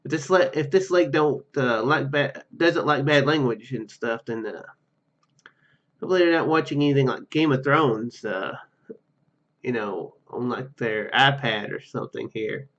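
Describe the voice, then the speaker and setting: A man doing a let's play, reading story text aloud haltingly and dropping in casual asides. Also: medium pitch, a bit bright, lo-fi sound. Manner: halting, stumbles over read words. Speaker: gaming YouTuber.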